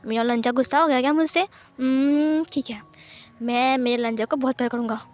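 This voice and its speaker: In a read-aloud romance story, a woman voices a young man who is playful and wheedling, pleading and coaxing in a high, light voice. The delivery sounds like a storyteller reading rather than an actor in a full part. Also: a little fast, close to an everyday voice. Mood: tender.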